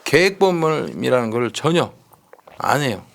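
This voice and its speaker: A man with a gravelly, creaky mid-pitched voice talks through a criminal case as a commentator. He explains conversationally and emphatically, circling back over his points. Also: very animated, normal speed, a bit bright. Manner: emphatic, explanatory, repeats points, seeks agreement. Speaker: true-crime commentator with detective background.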